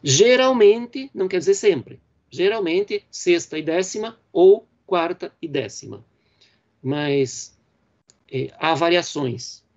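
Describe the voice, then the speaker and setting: A man from Brazil delivers a university lecture on poetic verse and fills his explanations with small fillers. His voice sits a bit high for a man, and it reaches the listener through dull, muffled audio. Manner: reads verse lines slowly and deliberately. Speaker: literature professor.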